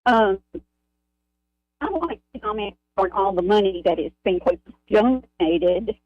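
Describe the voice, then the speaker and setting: A woman calling in to a radio show over a bad, breaking-up phone connection, speaking haltingly and starting her comment over. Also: mid-range voice, no echo. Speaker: caller. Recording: muffled lo-fi phone line.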